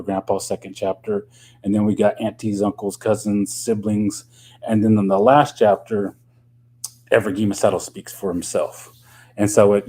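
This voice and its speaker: A middle-aged man from Oklahoma speaks in a lowish voice, easing through his answers as a novelist guest. He talks loosely, with lots of ums and you-knows. His pitch rises and falls in a lively way. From Oklahoma, USA. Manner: thoughtful, loose, full of um and you know. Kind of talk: casual radio interview.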